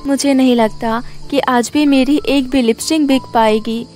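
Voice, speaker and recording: A woman as a high-voiced poor young street-seller girl. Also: fairly even intonation, normal speed, darkish tone, faint music behind, lightly acted. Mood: resigned. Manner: pleading, sweet street-seller patter. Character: poor, hungry, kind-hearted young lipstick-selling girl. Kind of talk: cartoon moral story character acting.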